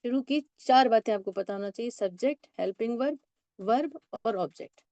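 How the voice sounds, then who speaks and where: Mellow-voiced woman teaching English. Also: on the high side, no room sound, lo-fi sound. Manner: patient, explains slowly, reads English sentences word by word. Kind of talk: spoken English lesson.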